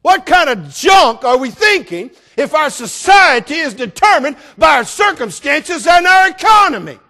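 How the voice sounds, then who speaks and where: A middle-aged man preaching a sermon as pastor, folksy and joking, building up to shouted passages. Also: very high voice, big pitch swings, normal speed.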